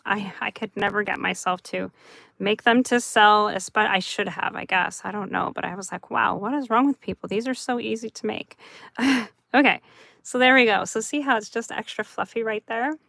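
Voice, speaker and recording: A woman hosting a live craft chat, soft and chatty, who often laughs and talks about her dry mouth. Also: mid-range voice, gravelly, dry recording. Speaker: craft livestream host.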